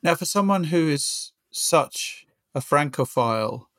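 A man hosting a podcast interview, putting measured questions to his guest. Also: on the high side, lively intonation, a bit bright, no echo. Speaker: podcast host.

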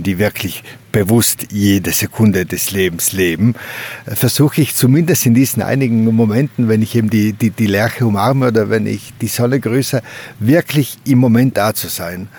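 A man from a mountain valley in South Tyrol, speaking outdoors in a slow, reflective way and often pausing to search for words. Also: lowish voice, darkish tone. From Gröden valley, South Tyrol, Italy. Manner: slow, thoughtful, searching for words with frequent hesitations. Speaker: interviewee. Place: outdoors on a mountain slope by a wooden hut.

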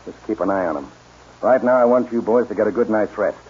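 An actor playing a ruthless, proud cattle boss with a husky voice in a 1940s radio drama. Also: male voice, on the low side, fast, darkish tone. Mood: scheming. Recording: dull old radio recording.

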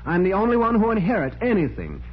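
An actor playing a breezy, impertinent young nephew who teases, in 1940s radio drama style, on an old recording. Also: male voice, high voice, huge pitch swings, fast, exaggerated voice. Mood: flippant. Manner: breezy, teasing. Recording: dull old radio recording, faint noise.

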